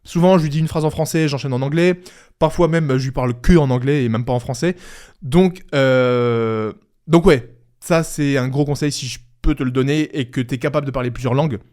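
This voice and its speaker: A man's voice: mid-range voice, fairly quick, a little mellow. A young man hosting a solo podcast, giving advice in a chatty, conversational way, with fillers and restarts. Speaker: podcast host.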